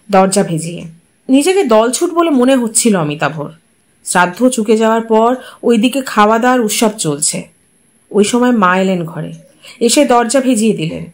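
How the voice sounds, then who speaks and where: Woman storyteller, audiobook narration, lively intonation, measured. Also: on the high side. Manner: expressive, measured.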